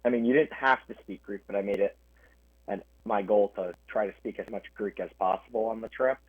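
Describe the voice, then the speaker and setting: A man's voice: lowish voice, a little fast, dry recording. Young man on a tinny phone line. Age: young adult. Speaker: guest. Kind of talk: radio interview answers.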